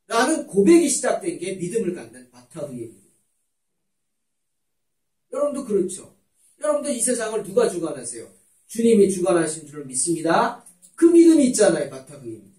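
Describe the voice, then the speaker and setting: A male pastor delivers an animated sermon, moving between loud emphasis and soft asides. His voice is high and very lively in pitch. He is picked up from a distance in an echoey church hall. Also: fairly quick, pauses often. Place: church sanctuary.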